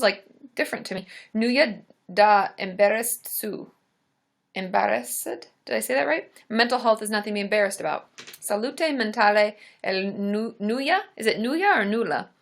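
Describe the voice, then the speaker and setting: A woman's voice: medium pitch, moderate pace, fairly bright tone. A woman therapist hosting a live Q&A stream, chatting casually, laughing often and poking fun at herself.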